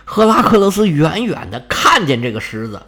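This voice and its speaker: Lively, husky male storyteller. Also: on the high side, moderate pace. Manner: chatty, folksy, with sound effects. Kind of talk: storytelling narration.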